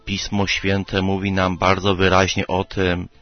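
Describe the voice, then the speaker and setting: A man preaches in a slow, earnest tone, urging his listeners. His voice sits fairly low. The recording sounds dull and lo-fi, like an old radio broadcast. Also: completely flat delivery, over music. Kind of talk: radio sermon.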